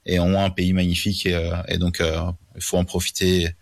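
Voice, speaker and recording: Man, deep and flat, halting radio guest. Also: dry recording. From Belgium. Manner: halting, many restarts. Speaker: wheelchair tennis player guest. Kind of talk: radio interview.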